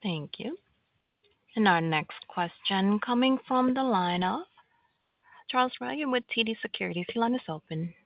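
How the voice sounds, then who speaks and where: A woman's voice: mid-range voice, expressive, normal speed, no room sound. A woman working as a conference call operator, making scripted announcements to introduce callers. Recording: dull, dry conference phone line.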